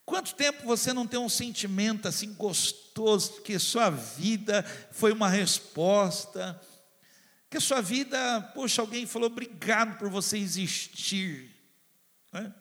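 A man, preaching as a pastor and telling a personal story, acting out voices and slowing down for emphasis. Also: high-pitched. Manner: expressive storyteller, acts out voices, slows for emphasis. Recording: long hall reverb.

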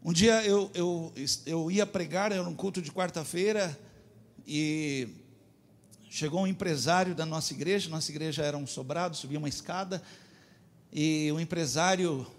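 A man preaching a sermon as pastor, telling a story and pressing his points with emphatic, loud appeals. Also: fairly high pitch.

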